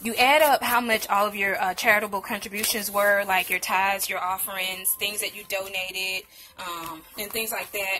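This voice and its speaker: A woman at a medium pitch and moderate pace, hardly any pauses, fairly even intonation, big swings in loudness, and noticeable background noise. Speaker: craft and journaling YouTuber. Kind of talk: casual chat while crafting. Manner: frequent filler words (um).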